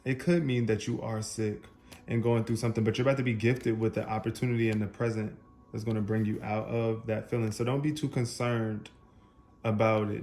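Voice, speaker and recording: A man giving an animated, spontaneous tarot reading, talking straight to his viewers and laughing often. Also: medium pitch, slight background noise. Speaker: tarot reader.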